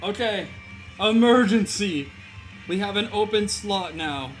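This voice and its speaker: A man's voice: high voice, lively intonation, takes it slowly. A young man livestreaming while he draws viewers' characters, chatting loosely with his chat. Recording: music playing behind.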